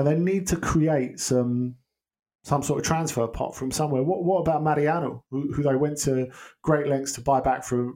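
Male podcast guest, mid-range voice, halting analytical delivery. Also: mid-range voice, darkish tone. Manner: hesitant, many restarts and ums. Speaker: football pundit guest. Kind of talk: casual podcast chat.

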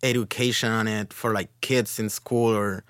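A man's voice: on the low side, little pitch movement, normal speed, a bit bright, smooth, no echo, clean studio sound. A man from Chile talking casually as a podcast guest, rambling with lots of fillers.

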